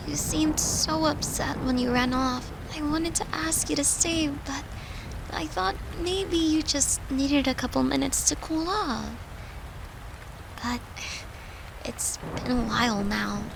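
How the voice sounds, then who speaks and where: A woman playing a worried, tender girlfriend in an intimate audio roleplay, speaking softly and coaxingly, with some hesitation. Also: high-pitched, creaky, noisy background, full character voice. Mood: tender, earnest. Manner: soft, coaxing, hesitant, sometimes whispery.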